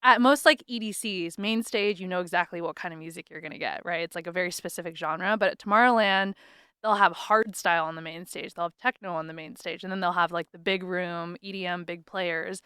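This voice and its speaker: A woman's voice: fairly low pitch, brisk, pushed and bright, smooth, dry recording, clean studio sound. A woman co-hosting a podcast, chatting in an upbeat way, filling her talk with "like" and "right". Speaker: podcast co-host. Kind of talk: casual podcast chat.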